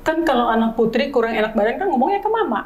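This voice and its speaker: Earnest woman in her fifties, higher voice. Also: lively intonation, fast, darkish tone, a little hiss or hum, low-quality recording. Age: 50s. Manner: earnest, repeats key phrases for emphasis. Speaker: bereaved mother, guest. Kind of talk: emotional faith testimony in an interview.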